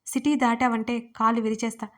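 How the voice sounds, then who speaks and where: A stern young husband hands out curt orders and flat refusals in a romance audio story, read by a woman. His lines come a touch loud and stay level, with little rise or fall. He sounds commanding and clipped. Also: on the high side, fast, lightly acted.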